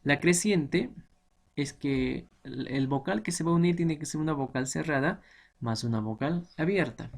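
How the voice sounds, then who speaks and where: A man's voice: a little high, moderate pace, gravelly. A man teaching a grammar lesson to students, explaining patiently and often checking that they follow.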